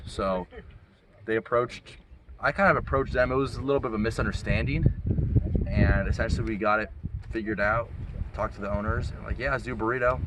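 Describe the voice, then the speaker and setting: A man's voice: lowish voice, poor audio. A young man, a college quarterback whose first language was Spanish, talking earnestly and openly to reporters outdoors. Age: young adult. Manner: earnest, relaxed and talkative. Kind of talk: outdoor media interview.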